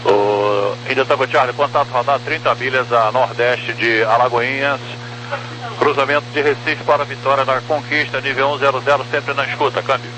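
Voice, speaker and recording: A man's voice: mid-range voice, fairly even intonation, moderate pace. A man with a Brazilian accent working as an air traffic controller, heard over aviation radio and giving clipped, formulaic call-outs. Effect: voice over aviation two-way radio. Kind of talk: radio phraseology. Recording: noisy radio transmission with hum.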